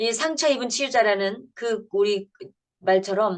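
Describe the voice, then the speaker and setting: Here is a woman with a fairly high pitch. Her intonation is lively. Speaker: pastor. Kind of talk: lecture. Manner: fast.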